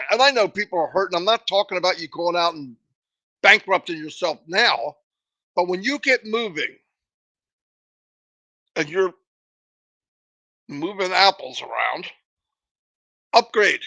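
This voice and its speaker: A man's voice: sits high, animated, unhurried, gravelly, long pauses, bright, forceful tone, no room sound. A man hosting a motivational livestream, emphatic and repetitive, with a runny nose and a cough. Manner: emphatic, repetitive, preachy pep talk. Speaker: livestream host.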